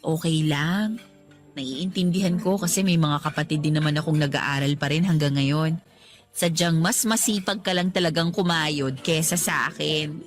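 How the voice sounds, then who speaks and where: A woman's voice: deep voice, moderate pace, faint music behind, close to an everyday voice. A woman with a Filipino accent acting as a loving, teasing and direct young girlfriend in a radio romance drama. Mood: wistful, understanding.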